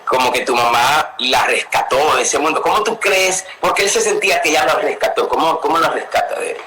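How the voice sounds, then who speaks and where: A man's voice: a little high, fairly quick, noisy background. A man hosting an interview, asking eager questions and reacting often with amazement. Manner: eager, reacts with frequent "wow". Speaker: interview host.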